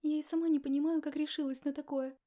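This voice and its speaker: A woman voicing a timid, tearful young pregnant woman who talks softly, sobbing and stammering. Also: high-pitched, flat delivery, quick pace, voice pushed up, close to an everyday voice. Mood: tearful pleading.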